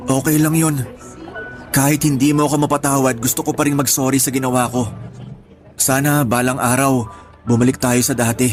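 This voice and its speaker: A man's voice: mid-range voice, level tone, a little fast, long pauses, soft background music, natural voice. A man acting as an apologetic young gay man confessing secret love in a Tagalog radio drama, earnest and pleading, with a Filipino accent.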